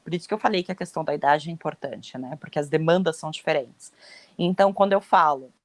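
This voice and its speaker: A woman's voice: sits low, quick pace, no echo. A woman with a Brazilian Portuguese accent explaining parenting ideas on a podcast, emphatic and blunt. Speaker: podcast host, parenting educator.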